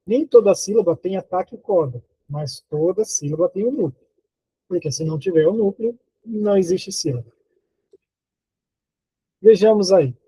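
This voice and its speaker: A Brazilian Portuguese-speaking male teacher with a dark, slightly husky voice gives a phonology lesson at an unhurried pace. He breaks words into syllables and poses questions he answers himself. The recording is close and dry, with no room sound. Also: high-pitched, no room sound, low-quality recording. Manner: slow, deliberate, counts syllables aloud and asks rhetorical questions. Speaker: university teacher.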